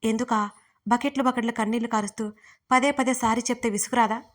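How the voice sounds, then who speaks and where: A woman's voice: fairly high pitch, steady tone, moderate pace, a little mellow, natural voice. A woman voicing an irritable young man who scolds sharply, read in an audio story. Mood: irritated. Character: young man, irritable hot-tempered husband.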